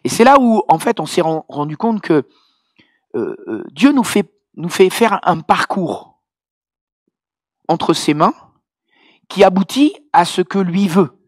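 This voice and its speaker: A man preaching as pastor, telling a personal testimony in an animated, hesitant way full of fillers. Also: high-pitched, slow pace, long pauses, no echo, clean studio sound. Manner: hesitant, many fillers and restarts, animated storytelling.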